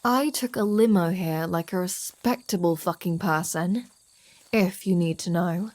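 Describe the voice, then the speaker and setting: Woman playing a slow-talking, flirty female vampire. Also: on the low side, a little mellow, lightly acted. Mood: wry, teasing. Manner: playful, sardonic, mock-exasperated. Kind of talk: ASMR roleplay audio drama.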